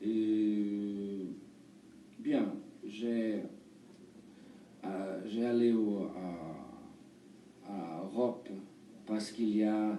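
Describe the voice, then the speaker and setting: In a Portuguese accent, a man with a fairly low pitch talks with fairly even intonation over noticeable background noise and audible room echo. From Brazil. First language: Portuguese (speaking French). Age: 30s. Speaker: actor. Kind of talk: interview. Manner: halting.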